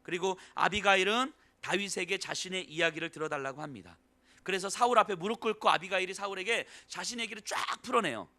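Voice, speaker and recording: High bright-voiced male pastor preaching. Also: fast talker. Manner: explanatory, asks the congregation questions. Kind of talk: sermon.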